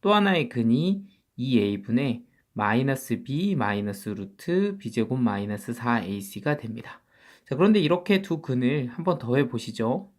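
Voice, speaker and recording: A man teaching high school math. He works through each step at a steady pitch, posing questions and answering them himself. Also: normal speed. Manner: explains step by step, often asks and answers himself. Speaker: math tutor. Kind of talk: spoken math lecture.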